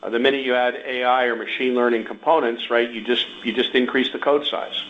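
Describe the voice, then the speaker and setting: A man's voice: mid-range voice, steady tone, fairly quick. A man speaking as a company executive on an earnings call, explaining things to investors with examples. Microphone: conference call line. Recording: dull conference call audio with hum.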